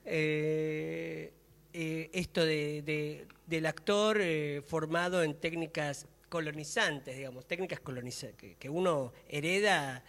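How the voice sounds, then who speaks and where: A man's voice: on the high side, steady tone, slow, vocal fry, a bit bright. A man with an Argentine accent in a reflective public conversation about theatre, hesitant and searching for words as he thinks aloud. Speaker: actor and theatre maker. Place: public talk in a hall. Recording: reverberant hall.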